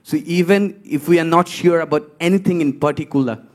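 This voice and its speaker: A man from Bangladesh, speaking quietly and hesitantly from the audience. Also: a little high, brisk. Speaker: audience member.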